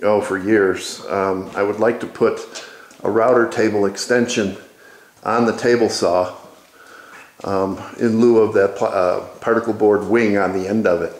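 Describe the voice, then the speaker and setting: Male DIY video host, lowish pitch, informal and halting delivery, roomy workshop echo. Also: steady tone. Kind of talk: informal narrated shop tour. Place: indoor wood workshop. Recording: echoey workshop room.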